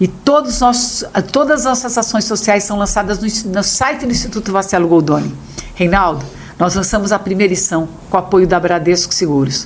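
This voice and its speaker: Lively intonation marks this woman's medium-pitched voice at a fairly quick pace. Noticeable background noise runs underneath. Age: 60s. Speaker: executive and speaker on women's leadership. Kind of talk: casual interview.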